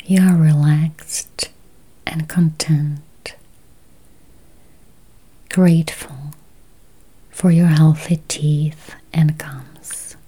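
Very slow, whispery woman guiding meditation. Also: deep voice, steady tone, mellow. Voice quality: breathy, whispery. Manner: slow, soothing, long pauses. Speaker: guided meditation host. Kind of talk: guided meditation, slow affirmations.

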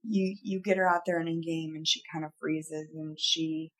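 A woman's voice: sits low, little pitch movement, normal speed, a bit bright. A woman in her thirties talking through a personal worry in casual podcast chat, earnest and rambling, with many fillers and restarts. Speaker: podcast co-host. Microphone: studio podcast mic.

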